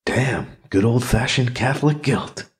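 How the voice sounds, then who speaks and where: A man voices a male Catholic priest in a science fiction audiobook, playing him as suspicious and sarcastic, wary and sardonic, terse and muttering. His medium-pitched voice sounds natural and runs a little slow.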